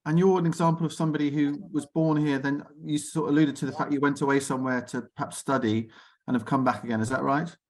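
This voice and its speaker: A man's voice: fairly high pitch, flat delivery, fast. A man hosting an informal online arts discussion, feeling his way through questions and rephrasing as he goes. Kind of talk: informal chairing of a group conversation. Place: online video call.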